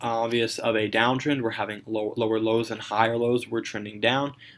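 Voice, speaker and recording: This is a man speaking. His pitch sits at a medium level. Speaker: trading educator. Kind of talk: tutorial. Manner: fast; halting, frequent stumbles and fillers.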